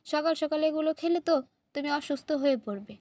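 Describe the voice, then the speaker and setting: Storybook role: patient, teasing young husband, voiced by a woman reader, high pitch, dry recording. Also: a little fast, a little mellow, no echo, close to an everyday voice. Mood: gentle. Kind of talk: storybook reading.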